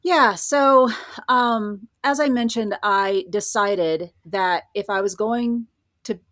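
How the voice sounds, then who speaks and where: A woman's voice: mid-range voice, takes it slowly, a bit bright. A woman speaking as an interview guest, explaining things in an informal, conversational way. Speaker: podcast guest, writer. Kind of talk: casual interview chat.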